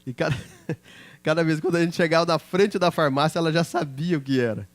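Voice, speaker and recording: A man's voice: on the high side, steady tone, a little fast. A middle-aged man, a pastor preaching a sermon through chatty personal stories and often checking in with his listeners.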